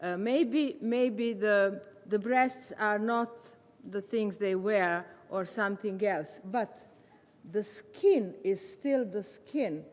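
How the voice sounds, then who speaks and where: A woman, a retired English teacher giving a measured, formal prepared speech as a volunteer. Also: mid-range voice. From Serbia. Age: 70s. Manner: measured, formal delivery with careful phrasing. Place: large meeting hall. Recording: long hall reverb.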